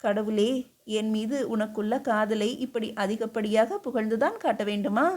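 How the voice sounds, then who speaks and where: A woman's voice: a little high, moderate pace, darkish tone, lightly acted. A woman voicing a stern, exasperated male emperor who scolds his wife with incredulous questions, in an audiobook reading. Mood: scolding. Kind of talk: audiobook character voice.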